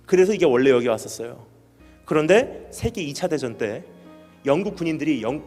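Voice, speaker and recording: In a church hall with big-room sound, a missionary preaches at a special church meeting. He keeps posing questions to the congregation, swinging between loud emphatic bursts and quiet, low lines.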